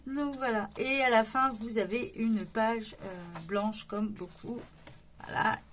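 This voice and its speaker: A woman's voice: on the high side, fairly even intonation, slow, pauses often, a little hiss or hum. A woman casually flipping through a coloring book for her channel, chatty and enthusiastic with frequent fillers.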